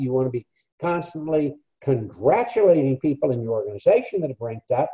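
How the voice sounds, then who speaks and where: Speaking with an American accent, a man has a fairly high, somewhat breathy voice. He moves at a fairly quick pace with very wide pitch swings. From Texas. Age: 70s. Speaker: network marketing leader. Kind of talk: webinar talk.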